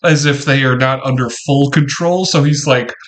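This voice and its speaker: Excitable bright-voiced man. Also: medium pitch, moderate pace. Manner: excitable, laughs often, swears freely. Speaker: player. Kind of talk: casual tabletop game chat.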